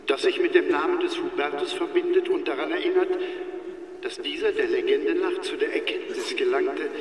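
An actor playing a solemn, measured clergyman giving a ceremonial welcome to a church congregation. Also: on the high side, natural voice. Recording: echoey cathedral reverb, distant from mic.

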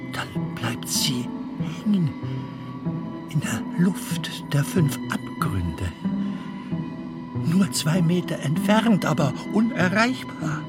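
An actor playing a gentle, wistful film comedian in a radio drama, speaking in halting, hushed, wondering phrases. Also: male voice, on the high side, exaggerated voice. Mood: wistful, resigned. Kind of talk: radio drama acting in German.

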